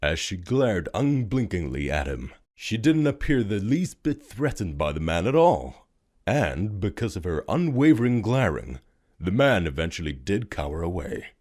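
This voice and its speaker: A man narrating a scripted audio drama story in a dramatic, expressive storytelling manner. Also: low-pitched, normal speed. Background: music.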